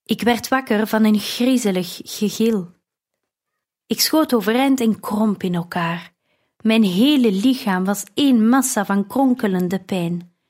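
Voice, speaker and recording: Woman, audiobook narrator, unhurried pace, mid pitch, earnest, measured. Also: a little mellow. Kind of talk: first-person audiobook narration.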